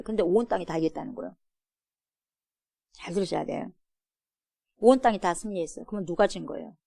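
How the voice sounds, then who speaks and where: A woman pastor with a Jeolla accent, preaching a sermon to her church and firing questions at the congregation. She swings between loud exclamations and soft asides. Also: on the high side, dry recording, studio quality. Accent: Korean, Jeolla. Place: church sanctuary.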